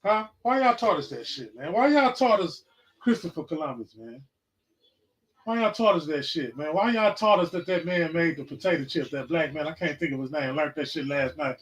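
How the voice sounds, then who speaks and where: A man in his forties hosting a casual livestream podcast, mixing loud, repetitive outbursts with profane, slangy sermon-like talk. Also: a little high, lively intonation, moderate pace, poor audio. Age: 40s. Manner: profane, slangy, calls out viewers. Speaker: podcast host. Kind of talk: casual preaching and chat. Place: livestream, home setup.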